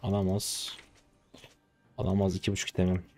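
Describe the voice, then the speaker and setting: A man in his twenties from Turkey giving casual live commentary on his own gameplay, chatty and trash-talking, with sudden loud excited shouts, on a close desk mic. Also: low voice, a little fast, faint music behind. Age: 20s. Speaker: gaming streamer.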